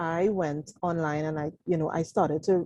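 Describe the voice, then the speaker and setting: With a Trinidadian accent, a woman speaks at a moderate pace in a fairly low pitch, her tone dark and mellow and her intonation fairly even. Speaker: parent. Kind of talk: testimony.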